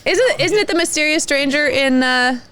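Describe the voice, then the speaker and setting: Animated, higher-voiced woman chatting casually. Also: moderate pace. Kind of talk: casual chat.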